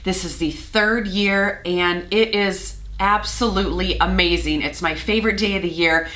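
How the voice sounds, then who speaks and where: A middle-aged woman talks casually and a little scratchily, hoarse from a cold. Her tone stays bright and forward despite the rasp. She is chatty and organized, dotting her sentences with ums and uhs. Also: steady tone, normal speed. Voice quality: scratchy, slightly lower than usual. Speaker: flower farmer and vlogger. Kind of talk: casual vlog walkthrough.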